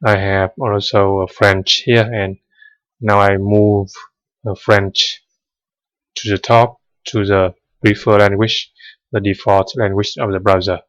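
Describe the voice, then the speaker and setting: Explaining code one step at a time in a screen-recorded tutorial, this Vietnamese-native programming tutor speaks slowly and flatly in a fairly low voice, with many hesitant fillers. The audio sounds dry and dull.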